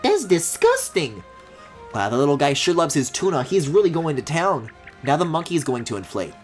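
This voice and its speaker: A man's voice: on the high side, huge pitch swings, moderate pace. A man streaming a video game with casual live commentary, thinking aloud expressively. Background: game music.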